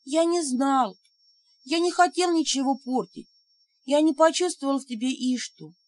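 A woman voicing a timid little male house spirit, squeaky and plaintive. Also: normal speed, darkish tone, close to an everyday voice. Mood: pleading.

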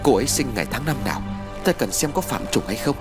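A man's voice: mid-range voice, sing-song, fast, over music, natural voice. A man voicing a solemn male fortune-teller in a spoken horror story, stern and pronouncing warnings.

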